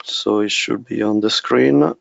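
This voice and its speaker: A man with an Italian accent presenting a software webinar, speaking haltingly with many pauses. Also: fairly low pitch, vocal fry, no echo, muffled recording. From Italy. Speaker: technical specialist presenter.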